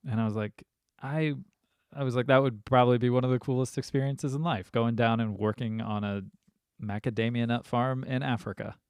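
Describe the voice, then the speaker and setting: A man's voice: medium pitch, a little fast, smooth, dry recording. Guy podcast host, casual storyteller, lots of "like" and "you know", dead dry sound. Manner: animated storyteller, many fillers. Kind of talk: casual conversation.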